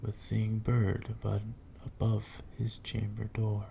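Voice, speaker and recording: A man whispers, soft-spoken and somewhat breathy. His pace is very slow. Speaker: ASMR reader. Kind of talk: poetry reading. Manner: soft-spoken, whispery.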